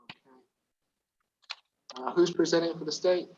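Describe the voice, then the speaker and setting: A man's voice: a little high, a little slow, darkish tone, slight background noise. A man serving as judge, asking brief, matter-of-fact questions over a video call. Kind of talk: presiding over a court hearing. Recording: dull lo-fi call audio.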